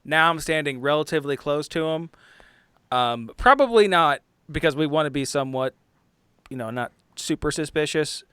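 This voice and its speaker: A man playing a tabletop game, casually and haltingly describing what his character does as he thinks aloud. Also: a little high, animated, fairly bright tone, clear, resonant tone, no echo. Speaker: player in a tabletop game podcast.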